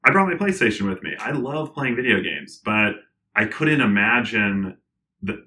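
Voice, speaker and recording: Bright-toned man talking in an interview. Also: fairly low pitch, poor audio. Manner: animated, rambling with fillers and restarts; laughs often. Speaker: interview guest, tech founder. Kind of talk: casual conversational interview.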